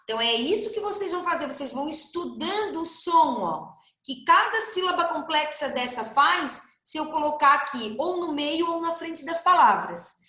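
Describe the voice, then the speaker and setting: A Brazilian woman teaches a recorded lesson to young children, stretching and stressing every syllable. Her voice is high and bright, and it bounces in a roomy, echoing space. She takes her time over each word. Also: animated. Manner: slow, sing-song, stresses each syllable. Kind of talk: recorded online lesson for first graders. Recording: roomy echo.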